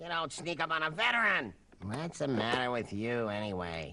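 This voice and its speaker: A man's cartoonish character voice at a medium pitch, with very wide pitch swings and a moderate pace. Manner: gruff, rambling.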